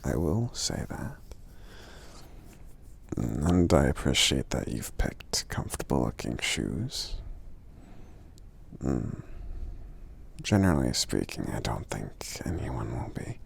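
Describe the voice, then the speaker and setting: A man playing a friendly, gentle giant in an ASMR roleplay, speaking softly and hesitantly in a breathy, gravelly voice that often nears a whisper, with murmured hums between phrases. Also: rumbling low, big pitch swings, takes it slowly, long pauses, heavily acted. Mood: gentle, musing.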